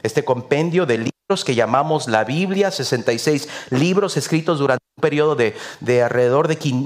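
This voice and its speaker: A man with a Mexican Spanish accent, a visiting pastor preaching a sermon in an earnest, rhythmic way with repeated amens. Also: mid-range voice.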